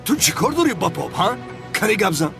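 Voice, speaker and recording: A loyal, protective young man, dubbed by a man who pushes back insistently. His voice sits high for a man. Clear music runs underneath. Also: big pitch swings, full character voice. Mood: defiant. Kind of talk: film dub.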